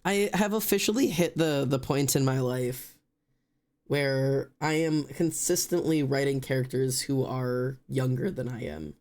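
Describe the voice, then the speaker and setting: Gravelly-voiced chatty young man. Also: mid-range voice, a little slow, darkish tone. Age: late 20s. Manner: chatty, rambling, many fillers. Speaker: streamer. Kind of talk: casual chat while drawing on stream.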